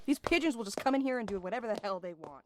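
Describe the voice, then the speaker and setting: A woman's voice: medium pitch, lively intonation, rapid-fire, background noise, close to an everyday voice. An actress playing an irritable, overworked, officious female boss in an audio drama, snappish and griping. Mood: annoyed.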